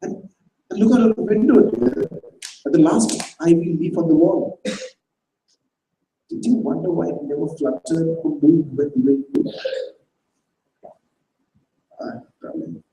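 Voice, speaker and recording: A man's voice: a little high, unhurried, long pauses, warm tone, echoey room, slight background noise, low-quality recording. Man voicing a tender young woman. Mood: tender, sorrowful. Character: gentle young woman breaking sad news.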